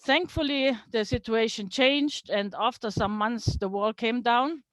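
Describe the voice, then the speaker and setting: A woman's voice: a little high, unhurried, a bit bright, no echo, poor audio. A middle-aged woman from East Germany, German her first language, giving an earnest online business talk over a video call, with small slips in her English. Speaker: guest speaker.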